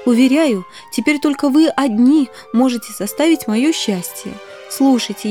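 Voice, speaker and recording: A woman's voice: fairly high pitch, dark tone, voice pushed up, close to an everyday voice. A woman voicing a poor, sincere young man making earnest promises in an audiobook. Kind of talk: audiobook reading.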